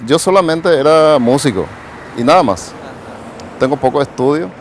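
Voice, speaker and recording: A man's voice: fairly high pitch, animated, normal speed, a little hiss or hum. A man, a pastor giving a rambling personal testimony in an interview, tagging his phrases with a questioning "right?". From Paraguay. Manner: rambling storyteller, tags nearly every phrase with a questioning "right?". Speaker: pastor and evangelist, interview guest.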